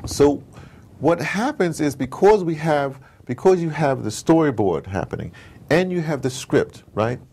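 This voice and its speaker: An American man being interviewed, talking casually as an animated storyteller and often checking in with "you know". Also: a little high, unhurried, husky. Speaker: interview guest, audio drama maker.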